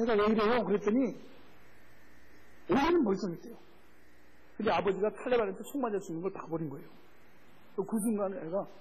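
A man preaching as a missionary, telling a story with lively acted-out quotes and frequent laughter. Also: high voice, gravelly, low-quality recording. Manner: animated, acts out voices in quotes, laughs often. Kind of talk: sermon with storytelling.

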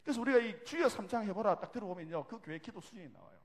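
High, animated preacher man in echoing hall. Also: rapid-fire. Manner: animated preaching, loud shouted cries in call-and-response. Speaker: pastor. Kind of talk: sermon. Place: church sanctuary. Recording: hall reverb in a large church.

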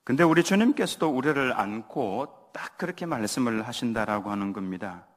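A man preaching a sermon to his congregation, leading call-and-response readings and softly acting out a parent's gentle words. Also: medium pitch, animated, brisk. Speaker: pastor. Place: church sanctuary. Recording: long church reverb.

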